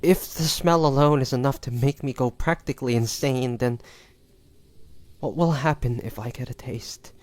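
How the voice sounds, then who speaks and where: A man playing a tormented, bloodthirsty demon fighting his hunger in a dramatic audio roleplay, speaking haltingly with breathy sighs and drawn-out pleading. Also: medium pitch, a little mellow, natural voice. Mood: afraid, yearning.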